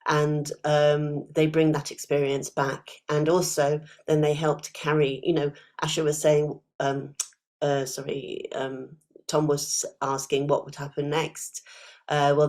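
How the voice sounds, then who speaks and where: A woman speaking for an arts organisation, explaining informally in a halting, conversational way. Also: low-pitched, flat delivery, a little mellow. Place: online video call.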